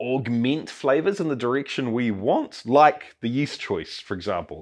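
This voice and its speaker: Against a quiet background, a man talks with hardly any pauses. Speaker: home distiller host. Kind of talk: tutorial. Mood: playful, joking. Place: workshop. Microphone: lapel.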